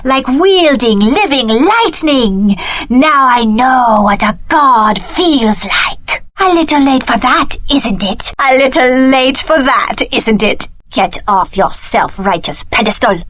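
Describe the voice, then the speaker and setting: A woman's voice: fairly high pitch, a bit bright, no echo, heavily acted. A woman voicing a cunning young warrior heiress in a video game, with an articulate, dramatic delivery. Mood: intoxicated with power.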